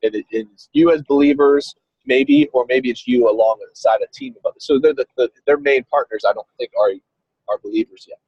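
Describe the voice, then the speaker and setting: A man's voice: mid-range voice, big pitch swings, fairly quick, darkish tone, husky, dry recording. A man talking casually on a car speakerphone while driving, a ministry coach who explains with a rambling manner and many restarts. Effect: car speakerphone on a call. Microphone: phone on a video call. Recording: dull, lo-fi call audio.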